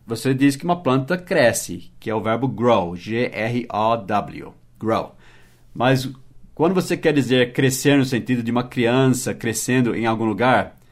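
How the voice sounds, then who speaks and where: A man hosting a casual English lesson podcast, explaining patiently and spelling words out letter by letter. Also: medium pitch. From United States and Brazil. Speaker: English teacher and podcast host.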